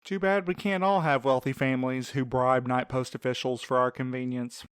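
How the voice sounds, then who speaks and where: A man's voice: mid-range voice, steady tone, normal speed, fairly bright tone, clean tone, dry recording, clean studio sound, close to an everyday voice. A man playing a teasing but supportive friend and coworker in a fiction podcast, with wordy, sarcastic quips. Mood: dry sarcasm. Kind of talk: fiction podcast audio drama acting.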